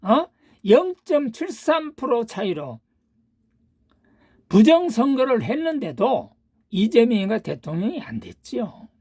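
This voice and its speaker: Older woman ranting with lively pitch. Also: unhurried, pauses often, husky, no room sound, studio quality. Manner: ranting, full of rhetorical questions and insults. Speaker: channel host. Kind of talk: political monologue.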